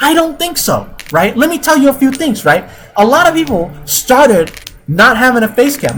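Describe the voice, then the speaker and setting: A loud man speaks. Noticeable background noise is present. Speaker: gaming YouTuber. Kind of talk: casual gaming commentary. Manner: animated.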